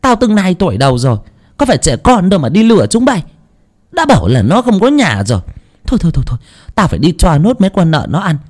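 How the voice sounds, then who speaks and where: A man's voice: wildly swooping pitch, fast talker, full character voice. A man voicing an older village woman who is stubborn and then sobbing with grief. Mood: insistent. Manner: shrill, insistent, wailing in grief.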